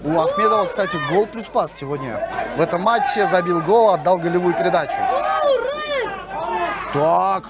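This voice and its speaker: A man's voice: high voice, moderate pace, long pauses. A man giving live play-by-play football commentary from an outdoor stadium. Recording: loud crowd and outdoor stadium noise. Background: loud crowd and noise.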